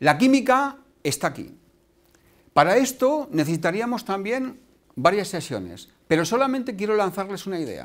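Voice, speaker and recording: A man talks at a moderate pace in a high pitch. His pitch swings very widely, over a quiet background. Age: 60s. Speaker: doctor. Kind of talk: lecture. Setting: stage with audience. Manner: halting. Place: hall.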